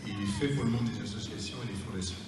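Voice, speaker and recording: A man's voice: on the low side, rapid-fire, music in the background. A man presiding an association, speaking enthusiastically with many hesitations at a screening event. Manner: hesitant, enthusiastic, listing names. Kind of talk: speech at an event. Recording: echoey hall from far off with noise.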